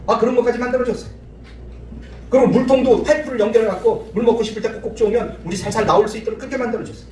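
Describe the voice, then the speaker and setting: A man with a high voice preaches to his congregation, spinning homespun stories and acting out the characters in them. His words echo through a large church hall. He sounds distant from the microphone, with a faint hiss underneath. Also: fairly even intonation, racing, a little mellow. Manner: folksy storytelling, acts out dialogue, repeats phrases. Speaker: pastor. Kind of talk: sermon with storytelling. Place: church sanctuary. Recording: echoey hall from far off, faint noise.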